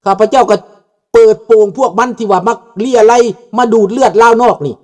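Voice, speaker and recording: Speaking from outside Laos, this older political commentator gives a fiery talk in a very high, slightly mellow voice with a brisk pace. His impassioned monologue switches between Thai and Lao, often posing questions to the listeners.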